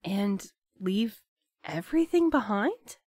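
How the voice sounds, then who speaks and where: A woman playing a gentle, hesitant, romantic young courier in an audio drama, thoughtful and a little awkward. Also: medium pitch, big pitch swings, takes it slowly, no echo, studio quality. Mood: wary, wistful.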